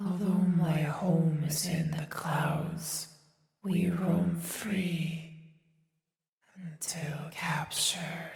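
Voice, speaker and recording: In a put-on character voice, the speaker drawls at a very slow pace, breathy and at a middle pitch, with monotone, flat intonation. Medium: actual play. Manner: quiet, otherworldly, measured.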